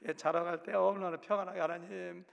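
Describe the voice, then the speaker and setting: Heard in a church sanctuary with long reverb, a man with a high, flat-pitched voice and some vocal fry preaches a little fast. He is a Korean pastor from Chungcheong province who speaks with that region's accent and acts out quotations in shifting voices.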